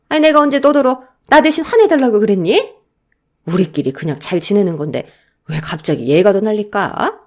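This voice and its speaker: A woman voicing an older, stubborn mother-in-law who scolds and plays favorites, in a drawn-out nagging way. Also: lowish voice, vocal fry, a little mellow, full character voice.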